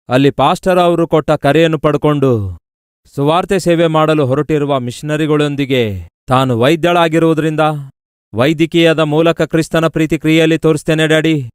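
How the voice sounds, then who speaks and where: A grieving father pours out a sorrowful confession, as a preacher acts him out in his own voice. The voice is fairly high for a man, smooth and resonant, with a dry, close sound. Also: dry recording, lightly acted. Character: grieving father, middle-aged man, heartbroken.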